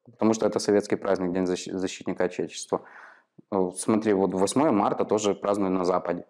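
A man's voice: low voice, fairly even intonation, fast talker, a little mellow. A man in his thirties, a native Ukrainian speaker, interviewing and probing with long explanations, in a small office on a lapel mic. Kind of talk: interview questioning. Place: small office room, indoors. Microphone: clip-on lapel mic.

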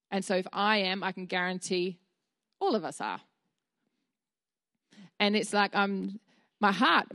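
Woman, 30s, church speaker; low-ish voice, candid conversational sermon, dry close handheld-mic sound. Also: no room sound. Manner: earnest, candid, with fillers and restarts. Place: dim church stage with a small seated audience.

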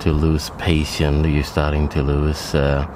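A man's voice: extremely low pitch, monotone, unhurried, background noise. A man in his thirties from Norway, a wildlife photographer talking casually in a vlog from a small forest blind, with many fillers and restarts. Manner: hesitant, many fillers and restarts, hushed at times.

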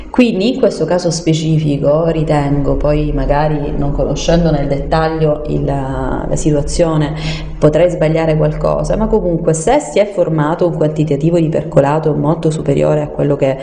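A woman's voice: sits low, gravelly, warm tone, slight background noise. A woman explaining things as a guest in an unscripted radio discussion, hesitant and searching for words. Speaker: studio guest explaining environmental issues. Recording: echoey room with long reverb.

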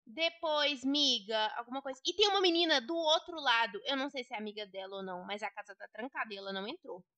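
A woman's voice: fairly high pitch, quick pace, pushed and bright, no echo. A young woman with a Brazilian Portuguese accent giving gossipy, indignant role-play commentary on a game to her viewers. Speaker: Roblox gamer.

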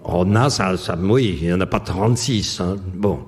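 A man's voice: sits low, normal speed, darkish tone. A man posing word riddles to a live audience, reading clue words one at a time and bantering with the crowd between puzzles. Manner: reads clue words one by one, then chats and teases the audience.

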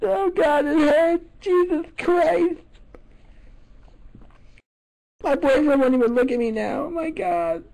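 A man putting on a melodramatic, easily offended gay man who makes a prank phone call, his gravelly voice swinging from mumbling and hesitant to shrill and wailing. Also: expressive, measured pace, a little mellow, full character voice. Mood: distraught, indignant. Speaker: prank caller.

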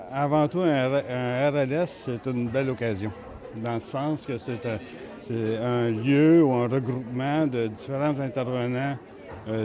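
A man in his fifties with a Quebec French accent, answering calmly and earnestly at a conference. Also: medium pitch. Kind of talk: vox pop interview answer. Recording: crowd chatter behind.

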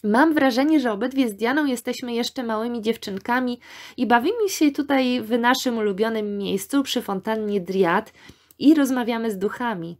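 A dreamy, imaginative young woman, a student in an audiobook story, voiced by a woman narrator. She speaks with wistful enthusiasm in a slightly raised, lively voice. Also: a little high, normal speed, pitched above the performer's own voice, natural voice.

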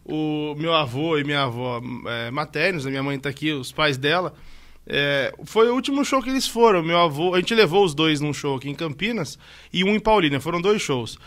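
A man hosting a casual interview, chatty and quick, sharing a personal memory with his guest. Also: a little high, animated, a bit bright. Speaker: podcast host.

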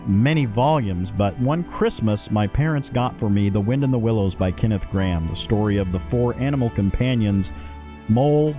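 A man's voice: medium pitch, darkish tone. Male host talking over prominent music. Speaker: host introducing an audio series. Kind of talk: informal scripted introduction to listeners.

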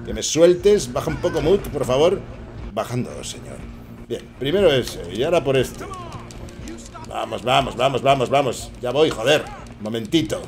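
A man with a Spanish accent giving excitable, swearing live commentary while playing and chatting to viewers. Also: mid-range voice, normal speed, gravelly, over music. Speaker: gaming streamer. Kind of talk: casual live gameplay commentary.

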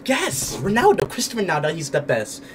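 His voice is on the high side with wildly swooping pitch, moving fairly quickly over background noise. He's a young adult livestreaming on a headset mic in an indoor room, casual and hesitant, repeating words again and again.

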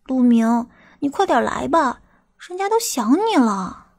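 A woman acting a female character in an audiobook crime drama, with a husky voice. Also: sits high, very animated, measured pace, a little mellow, exaggerated voice. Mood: coy, pleading.

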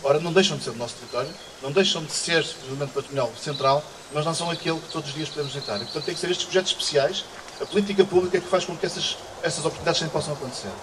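A man's voice: fairly high pitch, racing. A man in his forties with a European Portuguese accent gives a public speech as festival director in an outdoor garden, speaking earnestly into a stand microphone with frequent restarts and hesitations. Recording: distant mic, outdoor insect and bird noise. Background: insects buzzing and birds.

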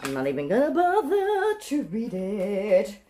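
A woman in her thirties chatting casually to viewers in a playful, animated, self-mocking way, recorded at home a step from the camera. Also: medium pitch, measured pace, soft background music. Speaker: vlogger. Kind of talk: casual chatty unboxing vlog. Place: room at home.

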